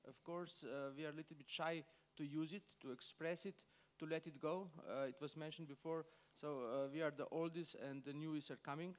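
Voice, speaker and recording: Man, fairly high voice, panelist, hesitant, filler-heavy. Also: fairly even intonation, a little fast, few pauses. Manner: hesitant, filler-heavy, non-native phrasing. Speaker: business panelist. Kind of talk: panel discussion answers.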